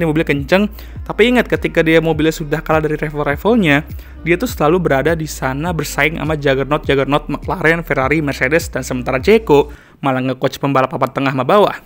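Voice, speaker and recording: A man, slightly hoarse, giving chatty, slangy vlog commentary on racing. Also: on the high side. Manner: chatty, slangy Jakarta-style casual talk. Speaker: F1 commentary YouTuber. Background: background music.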